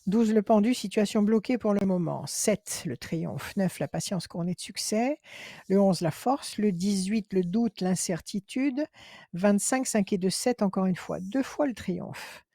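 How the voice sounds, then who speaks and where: A woman working as a psychic on a radio show, reading numbers in a calm, reassuring, measured way. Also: mid-range voice, no room sound, clean studio sound. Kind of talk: radio consultation.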